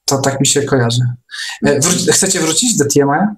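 A man hosting a casual online chat, speaking in a hesitant, halting way. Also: fairly high pitch, lively intonation, a little hiss or hum. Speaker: host.

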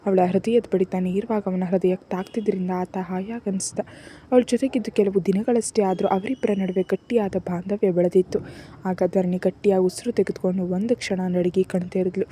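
A woman narrating a serialized romance novel in a steady, soft storytelling manner. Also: medium pitch, fairly quick, slight background noise. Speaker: audiobook narrator.

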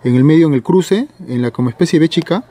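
A man's voice: a little high, quick pace, dark tone. A middle-aged Peruvian man casually narrating a night exploration vlog outdoors, hesitant and often repeating his phrases. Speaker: vlogger. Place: outdoors on a hillside cemetery at night. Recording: noisy outdoor night camera recording.

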